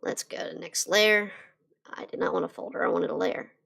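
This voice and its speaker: A woman chatting casually on a live drawing stream, her voice slightly hoarse from being sick, rambling with lots of fillers and restarts. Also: lowish voice, fairly even intonation, brisk, fairly bright tone. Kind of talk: casual chat while drawing.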